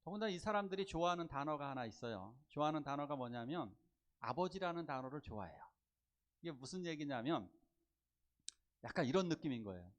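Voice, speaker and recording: Male pastor, slightly high and very animated delivery, sermon with acted asides. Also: brisk. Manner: animated, acts out quoted voices, asks the congregation questions. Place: church sanctuary.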